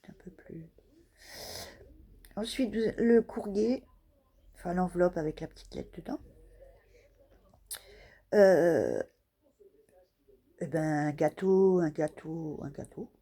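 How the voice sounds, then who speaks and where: A woman with a slightly husky voice chats slowly through a casual craft show-and-tell. She keeps pausing to search for words, fills the gaps and pokes fun at her own guesses. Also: lowish voice, animated, dark tone. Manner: hesitant, searching for words, many fillers; self-deprecating, laughs at her own guesses. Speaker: scrapbooking vlogger.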